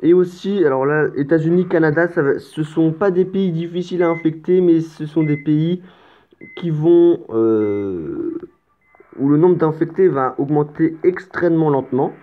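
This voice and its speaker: A man's voice: on the high side, moderate pace. A man commenting on his strategy game as a let's play host, explaining casually with stammers and the odd curse. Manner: chatty and explanatory, with stammers and mild swearing. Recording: tinny, phone-like lo-fi sound.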